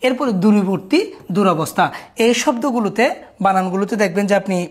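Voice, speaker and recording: A woman teaching a spelling lesson in a recorded class. She explains each rule patiently and keeps asking listeners to look closely at each word. Her pitch sits in a middle range for a woman. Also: fairly quick, a little mellow.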